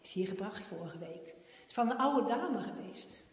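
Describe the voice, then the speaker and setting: A woman voicing a brisk, chatty middle-aged woman who runs a secondhand shop, in a storybook reading. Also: medium pitch, expressive, lightly acted. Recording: echoey hall.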